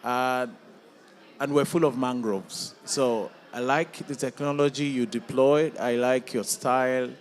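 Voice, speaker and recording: A man's voice: mid-range voice, fairly even intonation, unhurried. A man from Nigeria's Niger Delta commenting from the floor at a panel, appreciative and easygoing with a few fillers. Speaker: audience member.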